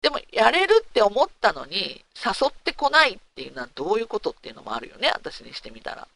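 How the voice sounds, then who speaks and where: Frank, lively woman with a gravelly edge. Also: medium pitch, quick pace, no room sound. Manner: frank and animated, asks listeners rhetorical questions. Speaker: host of a talk segment. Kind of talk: candid casual storytelling.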